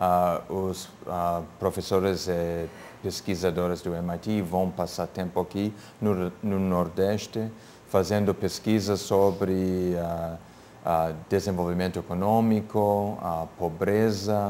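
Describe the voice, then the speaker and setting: Very slowly and in a monotone, flat intonation, a man with a non-native accent speaks in a very deep, low voice with a dark, mellow tone. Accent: foreign accent in Portuguese. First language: not Portuguese (speaking Portuguese). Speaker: visiting professor from a US university. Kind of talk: TV interview. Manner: halting, many fillers.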